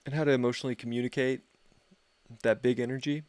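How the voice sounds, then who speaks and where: A man's voice: medium pitch, little pitch movement, fast, darkish tone, clean tone, no room sound. A man giving a casual, rambling astrology forecast on a livestream, his voice wearing thin. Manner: rambling, filler-heavy, laid-back. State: losing his voice. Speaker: astrology reader.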